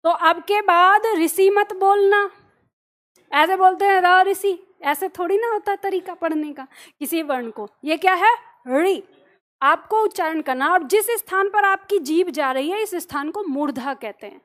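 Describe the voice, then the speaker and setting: A woman's voice: extremely high pitch, moderate pace, fairly bright tone. A woman teacher patiently explaining a lesson to her students, often checking that they follow along. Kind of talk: classroom lesson.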